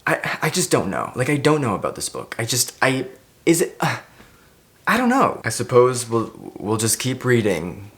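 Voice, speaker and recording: A man's voice: mid-range voice, huge pitch swings, moderate pace, fairly bright tone. A man chatting casually in a book vlog, thinking aloud and often repeating himself as he rambles. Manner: hesitant, repeats words and phrases while thinking aloud; casually sweary. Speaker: vlogger reviewing a book.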